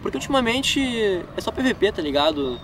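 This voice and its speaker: A man's voice: sits high, sing-song, fairly quick, crowd noise. A young man with a southern Brazilian gaúcho accent, chatting casually as he answers fan questions in a park vlog, full of filler tags and self-deprecating laughs. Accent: southern Brazilian gaúcho Portuguese. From Rio Grande do Sul, Brazil. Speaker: gaming YouTuber. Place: outdoors in a wooded park. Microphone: camera mic from a few feet away. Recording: distant camera mic with outdoor noise.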